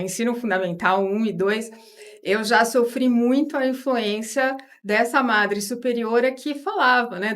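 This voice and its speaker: A woman's voice: medium pitch, a bit bright. Brazilian woman from São Paulo, reflective. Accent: São Paulo Portuguese. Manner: thoughtful, frequent tag questions and restarts. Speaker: guest, board advisor. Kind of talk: conversational interview storytelling.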